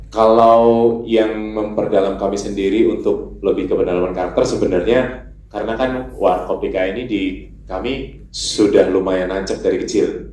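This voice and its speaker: A man's voice: deep voice, mellow, slight background noise. A man who voices a cartoon character, answering questions at a press conference in an earnest, rambling way. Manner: earnest, rambling with fillers and asides. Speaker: voice actor for the film. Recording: echoey hall with faint ambience.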